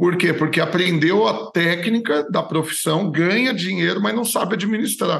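A man's high, lively voice at very even loudness, with hardly any pauses. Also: moderate pace. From São Paulo, Brazil. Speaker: pastor and podcast host. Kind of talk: interview.

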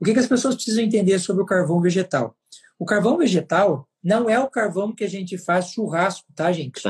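This man talks at a fairly quick pace, his pitch high and its variation ordinary. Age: 40s. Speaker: naturopath and nutritionist. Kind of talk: interview.

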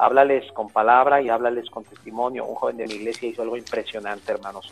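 A man talks at a fairly quick pace. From Mexico City, Mexico. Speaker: pastor. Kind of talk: casual discussion among church men.

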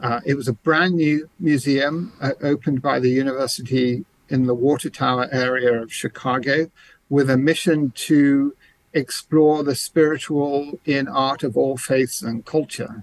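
A man with an English accent speaks fairly slowly at a fairly high pitch, his intonation fairly even. The sound is dry and close with no echo, over a quiet background. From England, Canterbury. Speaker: museum curator. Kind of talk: interview conversation.

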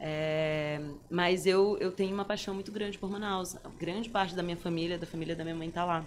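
A woman speaks with a fairly low voice. Her pace is fairly quick. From Brazil, São Luís, Maranhão. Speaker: actress. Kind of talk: casual chat. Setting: studio. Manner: animated.

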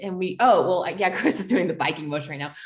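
Noticeable background noise runs behind this recording. A woman speaks with lively intonation. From Chattanooga, Tennessee, US South. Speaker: YouTube travel creator. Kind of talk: casual interview chat.

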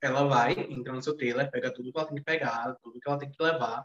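A fairly high-pitched man with a Brazilian accent at a fairly quick pace. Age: 20s. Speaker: journalist and audiovisual worker. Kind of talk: casual chat.

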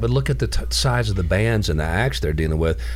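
A man's very deep, low voice with very wide pitch swings over noticeable background noise. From Tennessee, Chattanooga. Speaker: radio host. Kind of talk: casual chat.

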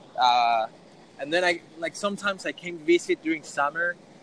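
A man speaks at a fairly quick pace. The sound is dry and close with no echo, though background noise is noticeable. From Chile. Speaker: YouTuber. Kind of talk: casual chat. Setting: outdoors.

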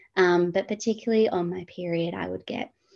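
At a moderate pace, a woman with an Australian accent speaks in a dark, mellow tone with ordinary pitch variation. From Perth, Western Australia. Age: 20s. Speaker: guest, law student and endometriosis advocate. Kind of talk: casual interview conversation.

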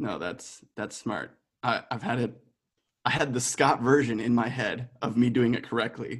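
At a moderate pace, a man talks in a normal speaking voice of medium pitch with fairly even intonation. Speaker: podcast host. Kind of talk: casual chat.

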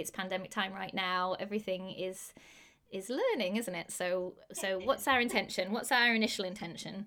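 A woman with an ordinary speaking voice talks at a medium pitch and moderate pace with fairly even intonation, in a very clean recording with a silent background. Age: 30s. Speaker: podcast co-host, homeschooling mother. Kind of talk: casual chat.

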